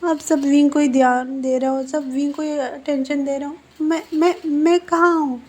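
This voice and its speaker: A woman's voice: on the high side, fairly quick, warm tone, husky. A woman voicing a sulky, jealous young man who turns possessive, reading his lines in a petulant, teasing way in a fan-fiction story.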